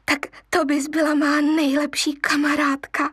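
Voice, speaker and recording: A woman's voice: high-pitched, a bit bright, no room sound, clean studio sound, pitched above the performer's own voice. A woman voicing an eager little male lion cub who coaxes and pleads. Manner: wheedling, pleading.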